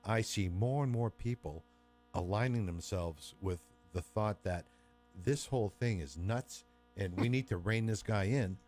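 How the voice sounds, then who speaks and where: A man's voice: fairly low pitch, measured pace, a little mellow. A man talking politics as a radio guest, emphatic and opinionated, leaning on his points. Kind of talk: casual political chat.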